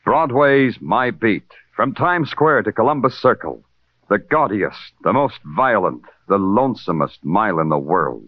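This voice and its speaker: A man's voice: on the low side, sing-song, unhurried. An actor playing a terse, hard-boiled male police detective who also narrates a 1940s radio drama in a brooding way. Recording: muffled old radio recording with loud music.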